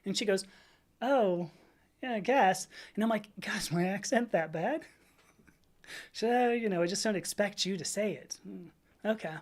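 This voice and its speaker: A woman's voice: medium pitch, measured pace, pauses often, a little mellow. Chatty fifty-something woman streamer. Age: 50s. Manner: rambling, chatty, laughs often, reads out chat comments. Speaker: livestream host. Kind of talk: casual livestream chat.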